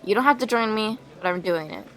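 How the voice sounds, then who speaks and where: A woman voicing an earnest, dramatic schoolgirl character in an animated roleplay. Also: mid-range voice, fast talker, close to an everyday voice, poor audio. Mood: determined.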